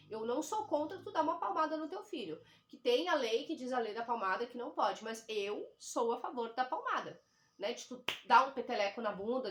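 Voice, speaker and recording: A woman's voice: fairly high pitch, fairly bright tone. A woman with a southern Brazilian accent, a single mother vlogging in a casual, frank chat full of fillers and restarts. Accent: southern Brazilian Portuguese. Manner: chatty, frank, uses many fillers.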